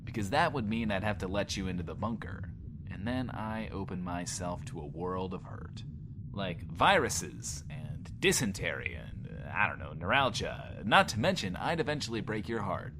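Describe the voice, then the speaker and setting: An actor playing a swaggering but insecure host of a post-apocalyptic bunker radio show, talking in a pompous, wordy, theatrical way. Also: male voice, low-pitched, lively intonation, normal speed, background noise. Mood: wistful, self-important. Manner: pompous, wordy, theatrical, talks of himself in third person. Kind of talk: in-world radio show monologue, audio drama.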